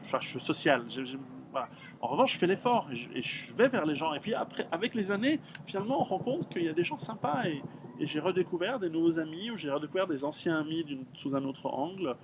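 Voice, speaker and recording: A man's voice: fairly high pitch, a little hiss or hum. A middle-aged man, an author talking through his readers' questions in a frank, blunt way, with many halts and restarts. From Switzerland. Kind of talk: casual spoken monologue.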